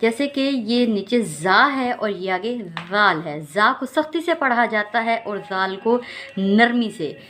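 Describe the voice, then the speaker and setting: A woman teaching Quran reading rules, patiently spelling out letters and repeating sounds slowly so learners can follow. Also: fairly high pitch, expressive, a bit bright. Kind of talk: tajweed lesson, slow drilled recitation.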